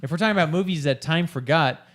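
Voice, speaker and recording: A man co-hosting a podcast, chatting casually and hesitantly with many pauses and fillers. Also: on the high side, fairly bright tone. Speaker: podcast co-host. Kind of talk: casual chat.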